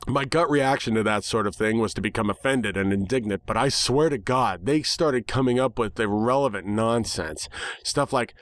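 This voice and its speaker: A man narrating a first-person story dramatically, with a wry, sarcastic and animated delivery. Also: on the low side, normal speed, dry recording.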